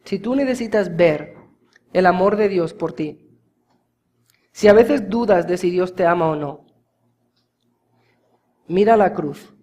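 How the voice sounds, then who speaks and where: A high-pitched man delivers an impassioned sermon to his congregation. He speaks to them directly and warmly as brothers. His delivery moves between quiet, drawn-out phrases and loud, insistent peaks. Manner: impassioned preaching, swings from hushed to loud emphasis. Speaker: pastor.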